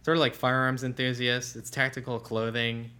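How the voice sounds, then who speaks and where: A man co-hosting a casual tech podcast as a smartphone editor, relaxed and trailing off quietly at the ends of phrases. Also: medium pitch, moderate pace. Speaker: senior smartphone editor, co-host.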